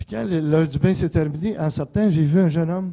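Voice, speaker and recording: Speaking with a Quebec accent, a man uses a somewhat breathy voice with a dark, mellow tone, a fairly high pitch and a moderate pace. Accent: Québécois French. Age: 60s. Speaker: church member giving testimony. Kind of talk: testimony.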